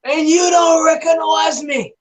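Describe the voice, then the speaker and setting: A woman's voice: sits high, steady tone, measured pace, a little hiss or hum, voice pushed up, rough recording. A woman doing a brash bloke, fake Australian accent. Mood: cocky. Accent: put-on Australian. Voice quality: loud, cocky and teasing. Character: brash male bloke with a put-on Australian twang.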